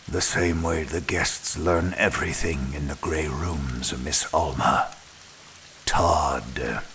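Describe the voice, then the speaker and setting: A deep-voiced, unhurried keeper of a mysterious manor in an audio drama. He is formal, composed and evasive, weighing every phrase, with rain-like hiss behind him. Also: steady tone, bright, forceful tone, exaggerated voice. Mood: cool, guarded. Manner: formal, measured, guarded.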